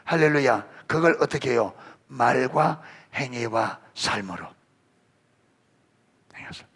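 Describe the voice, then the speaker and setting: A middle-aged man preaching, his voice gravelly and a touch husky, rising and falling across a wide range. He keeps firing questions at his listeners and calls children out by name to answer. The delivery is a warm, conversational sermon. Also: medium pitch, slow pace. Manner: animated, rising emphasis on scripture. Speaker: pastor.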